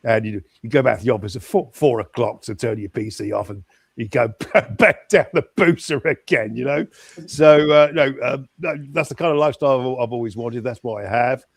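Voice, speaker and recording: A man's voice: mid-range voice, a little fast, gravelly, no echo, studio quality. An older man, a guest in a casual chat, cheerful and full of hesitations and repeated words. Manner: hesitant, stammering, upbeat.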